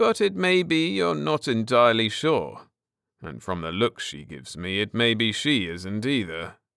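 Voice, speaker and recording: A man puts on a character voice at a medium pitch and a moderate pace. The recording is very clean with a silent background. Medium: read story. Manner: calm, wry, self-assured.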